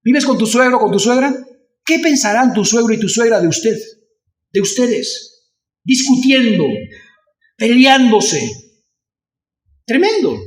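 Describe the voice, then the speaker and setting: A man's voice: extremely high pitch, animated, slow, long pauses. A male pastor with a Venezuelan Spanish accent, preaching a sermon and asking the congregation questions. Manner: acts out shouting voices in anecdotes. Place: church. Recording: echoey church from far off.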